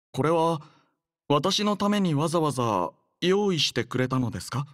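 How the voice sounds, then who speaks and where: A man voicing an earnest, devoted young male soldier in a game, speaking politely, softly and sincerely in a measured way. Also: on the high side, no echo, clean studio sound, close to an everyday voice. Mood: polite, flustered. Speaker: voice actor. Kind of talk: acted game character voice lines.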